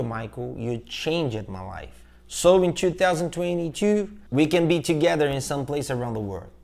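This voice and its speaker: Earnest Brazilian man speaking English. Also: fairly high pitch. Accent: Brazilian Portuguese. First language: Portuguese. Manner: earnest, halting, frequent uh fillers and restarts. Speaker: channel host, tribute performer. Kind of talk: scripted direct-to-camera introduction. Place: indoor room with shelves of collectible figures.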